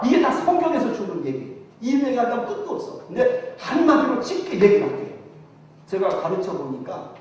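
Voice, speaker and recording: An older male revival preacher with a Chungcheong Korean accent delivers his sermon in a high, animated voice. He jokes with the congregation as he preaches. The sound is distant, ringing through a big echoing church hall. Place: large church sanctuary. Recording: echoey hall, distant mic.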